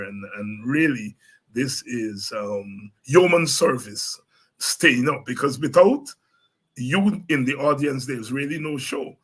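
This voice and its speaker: Podcast host, middle-aged man, Guyanese accent; loose, chatty delivery with a forward, slightly breathy tone. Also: medium pitch, fairly bright tone. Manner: chatty, repeats words, many ums. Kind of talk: casual monologue.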